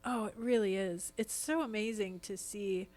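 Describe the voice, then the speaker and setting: Casting: American woman, mid-pitched, conversational interview guest with an earnest, expressive delivery. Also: normal speed. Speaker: podcast guest, stage actress. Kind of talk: casual interview chat.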